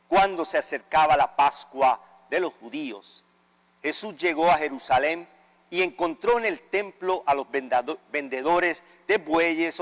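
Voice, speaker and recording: A man's voice: on the high side, fairly bright tone. A man, a priest, solemnly proclaiming scripture at Mass with occasional stumbles, in a large church with a long cathedral echo. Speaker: Catholic priest celebrating Mass. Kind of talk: liturgical Gospel reading.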